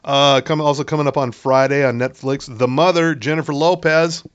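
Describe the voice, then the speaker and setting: A man of ordinary pitch co-hosts a podcast, rambling through a list of upcoming releases with plenty of "uh" and "you know" and some casual swearing. His podcast microphone sounds dull and lo-fi. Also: steady tone, normal speed, smooth. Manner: rattles off upcoming releases with many fillers. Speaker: podcast co-host. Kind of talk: casual chat. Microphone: podcast microphone that keeps cutting out.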